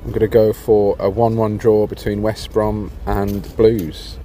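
A man recording a voice note in a public place, halting and self-conscious as he gives a prediction. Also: lowish voice, level tone, dark tone, faint music behind. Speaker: contributor sending a voice note. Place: public place with people about.

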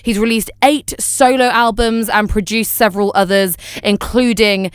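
A woman's voice: medium pitch, steady tone, normal speed, clear, resonant tone, dry recording, clean studio sound. A young woman presenting a music radio show in a chatty, enthusiastic way, with fillers and apologies for her pronunciation. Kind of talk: casual radio chat.

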